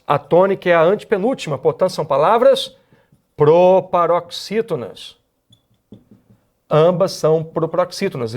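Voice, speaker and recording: A Brazilian man teaching an exam-prep grammar lecture, who explains step by step and keeps asking the class rhetorical questions. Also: high voice. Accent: Brazilian Portuguese.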